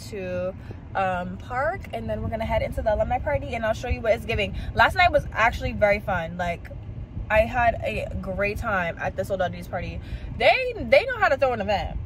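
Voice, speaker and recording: A woman at a fairly quick pace, dry sound with no echo, light background noise behind her. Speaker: vlogger. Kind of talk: casual vlog chat. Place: car. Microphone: phone near.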